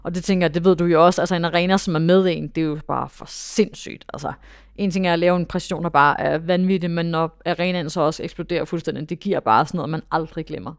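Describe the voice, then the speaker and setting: A young woman, a dressage rider, telling a story in a casual interview with lots of fillers and bursts of excitement. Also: fairly low pitch, no echo, clean studio sound. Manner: animated, excitable, many fillers.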